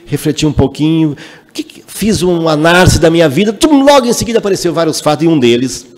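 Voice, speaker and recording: Speaking fast in a slightly high voice, a Brazilian lecturer from Minas Gerais tells personal stories during a spiritual talk at a spiritist center. He's lively, emphatic and animated, and his words ring with the long reverb of the meeting hall.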